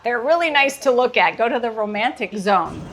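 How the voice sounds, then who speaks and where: A woman's voice: a little high, expressive, a little fast, fairly bright tone, a little hiss or hum. A middle-aged woman from Chicago with a Chicago accent, hosting a casual, joking chat as a comedian. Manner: joking, playful banter. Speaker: comedian host.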